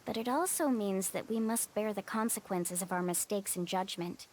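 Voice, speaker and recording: A woman's voice: mid-range voice, normal speed, darkish tone, a little hiss or hum, natural voice. A woman voicing a confident, stubborn young tribal guide in a video game, firm and assured. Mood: reflective. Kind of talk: video game character acting.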